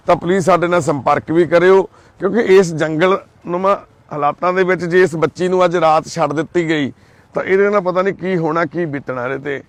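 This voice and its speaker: A man with a Punjabi accent and a somewhat raised pitch talks in a gentle, coaxing way. He soothes a frightened girl and speaks straight to his viewers. He is recording outdoors at night near a railway crossing. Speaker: volunteer vlogger helping a lost girl. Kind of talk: on-the-spot vlog narration and coaxing.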